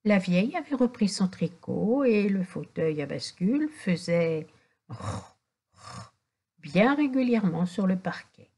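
A woman reading a children's tale aloud as an audiobook, in a gentle storytelling cadence. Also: mid-range voice, very animated, normal speed, few pauses, breathy edge. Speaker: audiobook reader.

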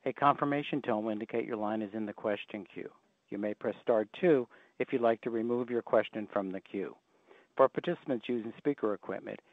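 A man's voice: mid-range voice, no room sound. A man working as a conference call operator, giving scripted instructions. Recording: dry, tinny telephone line.

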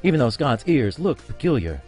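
A man's voice: medium pitch, big pitch swings, a little fast, a little mellow, faint music behind, lightly acted. A man playing a pompous, heroic starship-captain parody, narrating grandiose log entries in a comedy audio drama. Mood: pompous, dramatic. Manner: grandiose log-entry delivery.

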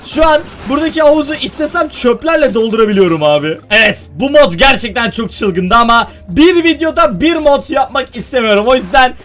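A man with a very high, bouncy voice gives excitable let's-play commentary, talking straight to his viewers and often bursting into loud exclamations. His pitch swings widely from line to line, and faint music plays underneath. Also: fairly quick, hardly any pauses. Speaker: gaming video host.

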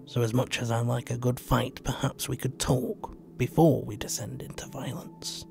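A man voicing a calm, wry male stranger who speaks softly and half-whispers with menace. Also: medium pitch, normal speed, gravelly, faint music behind, close to an everyday voice.

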